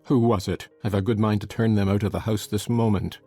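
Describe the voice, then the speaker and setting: A man playing a shaken, harsh master of the house who talks loudly and angrily through gritted teeth. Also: lowish voice, steady tone, a little fast, breathy edge, faint music behind. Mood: angry.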